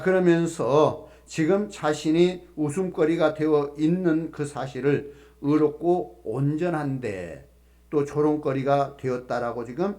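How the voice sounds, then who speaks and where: A middle-aged male pastor giving a sermon, explaining the text patiently with many pauses and fillers. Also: on the high side, darkish tone.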